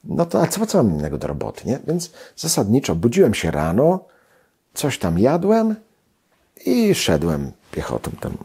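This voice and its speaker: Husky low-voiced man preaching conversationally. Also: dark tone. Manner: conversational, tags sentences with a questioning "right?". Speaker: preacher at a retreat conference. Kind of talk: storytelling conference sermon.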